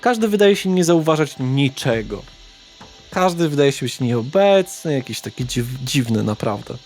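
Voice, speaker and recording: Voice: mid-range voice, animated, moderate pace, a little mellow. A game master narrating a tabletop role-playing session in a casual, colloquial way. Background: music.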